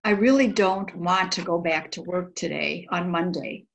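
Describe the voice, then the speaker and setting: An older woman gives a dramatic, emotional, halting reading of a diary. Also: on the low side, gravelly. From United States. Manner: emotional, halting, sighing delivery. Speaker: volunteer diary reader. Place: indoor room by a window.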